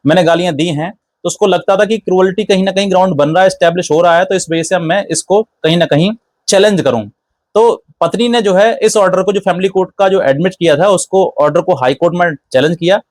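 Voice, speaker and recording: A man's voice: sits high, dry recording. A man hosting an informal legal explainer, going step by step, often rephrasing himself and dropping in English legal terms. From India. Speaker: legal advice channel host.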